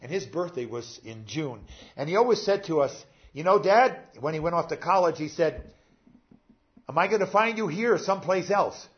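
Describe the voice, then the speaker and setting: Older pastor preaching on a dull recording. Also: male voice, on the high side, animated, moderate pace. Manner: conversational preaching with frequent "uh" and asides to the congregation. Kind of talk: sermon.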